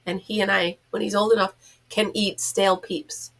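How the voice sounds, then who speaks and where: A woman's voice: mid-range voice, little pitch movement, normal speed, a bit bright, low-quality recording. Congested woman, pinched-nose nasal voice. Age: middle-aged or older, a grandmother. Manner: rambling, self-deprecating, giggly. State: stuffed up from being sick. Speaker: host of a crochet vlog. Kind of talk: casual chatty vlog.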